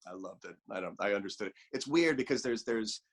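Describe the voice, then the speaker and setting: Man, 40s, lowish voice, podcast co-host, rambling, self-deprecating, casual chat. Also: animated, quick pace.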